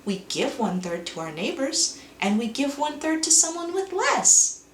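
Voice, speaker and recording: A kind, generous young boy from a storybook, played by a woman, speaks earnestly and with animated intonation. The pace is unhurried and the room is echoey. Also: high voice, voice pushed up. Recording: roomy echo, faint noise.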